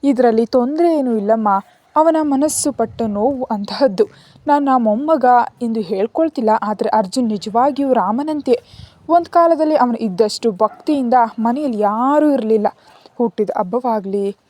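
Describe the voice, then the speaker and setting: A woman voicing a gentle, caring elderly grandfather in a spoken story, reading his lines softly and affectionately. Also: fairly high pitch, moderate pace, no room sound, close to an everyday voice.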